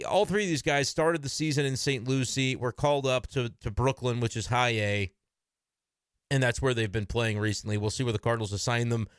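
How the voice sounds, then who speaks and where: A man's voice: fairly low pitch, clean tone, no echo, studio quality. A man giving casual, frank solo commentary on his baseball team from his computer desk, talking in an opinionated, conversational way.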